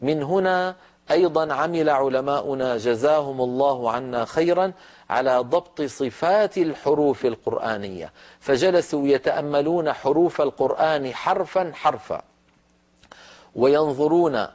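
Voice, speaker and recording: A man teaching Quran recitation in a televised lesson, explaining letter sounds in a measured, deliberate way and demonstrating them slowly. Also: medium pitch, a little mellow.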